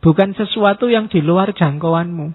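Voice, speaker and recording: A man lectures students in a mosque hall, teasing and casual. His voice sits a little high. The sound is thin and tinny, like a phone line. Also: moderate pace. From Indonesia. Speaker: lecturer on philosophy.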